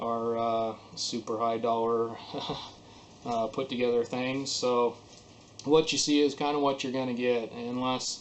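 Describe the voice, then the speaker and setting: A man mumbles at a fairly slow pace, with long, frequent pauses. His intonation is monotone and flat. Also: medium pitch for a man. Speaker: hobbyist DIY YouTuber. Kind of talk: casual direct-to-camera talk. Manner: mumbling.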